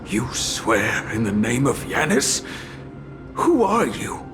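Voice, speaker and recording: A slow, fervent game voice whose pitch swoops widely, a devout tribal priest. He stammers when shaken. Music sits behind him. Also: huge pitch swings, exaggerated voice. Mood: astonished.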